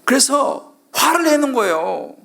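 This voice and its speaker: A middle-aged male pastor delivers a sermon in a high, gravelly voice. His pitch leaps around as he keeps asking the congregation questions and acts out the words of the people he quotes. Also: very animated, a little slow, bright, forceful tone.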